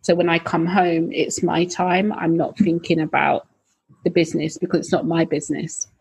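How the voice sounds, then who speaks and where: Husky-voiced woman podcast co-host. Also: lowish voice, normal speed, rough recording. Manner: animated, thinks aloud with many ums. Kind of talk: casual chat.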